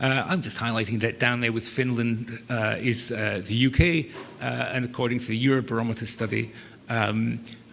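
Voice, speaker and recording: At a moderate pace and medium pitch, a man talks with fairly even intonation amid noticeable background noise and audible room echo. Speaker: public health policy speaker. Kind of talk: conference talk. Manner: hesitant, many fillers.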